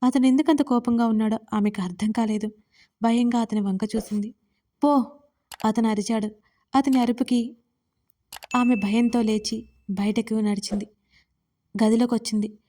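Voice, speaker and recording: A woman storyteller narrates a drama in a calm, steady reading. Her voice sits somewhat high with a warm, mellow tone. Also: moderate pace, long pauses.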